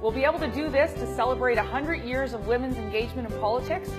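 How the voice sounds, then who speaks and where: A woman politician giving a proud, steady, upbeat prepared statement. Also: on the high side, quick pace. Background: music.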